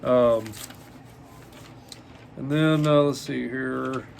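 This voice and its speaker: A man in his fifties hosting a solo podcast, reading from notes in a halting way with many ums and uhs and frequent self-corrections. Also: medium pitch, steady tone, vocal fry, slight background noise. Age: 50s. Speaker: podcast host.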